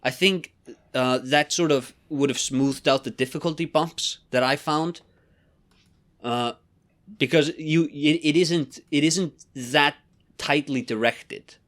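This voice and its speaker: A man with a slightly high voice explains his views on a podcast. He builds his argument in a measured way and sometimes picks up speed. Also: a bit bright. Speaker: podcast co-host. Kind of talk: casual analytical chat.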